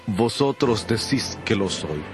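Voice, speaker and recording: An actor playing Jesus as a calm, solemn, measured teacher held prisoner in an audio Bible drama. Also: male voice, lowish voice, music in the background.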